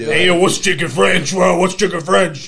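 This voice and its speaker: A raspy, put-on character voice with a Brooklyn accent goes along at a moderate pace. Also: man, high pitch for a man. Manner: brash, demanding.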